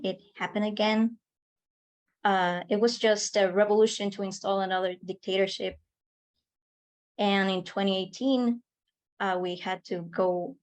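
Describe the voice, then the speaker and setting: A woman giving personal testimony on a video call, haltingly searching for words. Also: medium pitch, low-quality recording. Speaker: audience participant in an online discussion.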